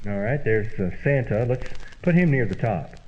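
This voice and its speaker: A man's voice: medium pitch, animated, moderate pace. A man performing an old-time radio comedy sketch as the incredulous, teasing straight man. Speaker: comedy show host performer. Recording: dull lo-fi radio sound, loud noise.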